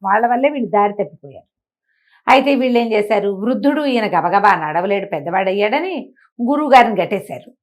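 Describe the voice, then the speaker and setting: Woman storyteller, conversational and unhurried in explanation. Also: mid-range voice, expressive. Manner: conversational, explains with asides and rhetorical questions. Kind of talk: oral moral storytelling for children, acting out dialogue.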